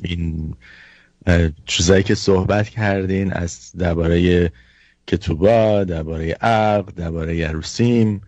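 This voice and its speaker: Very deep flat-voiced male host. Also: no room sound, lo-fi sound. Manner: polite, halting, repeats words. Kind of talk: talk show hosting.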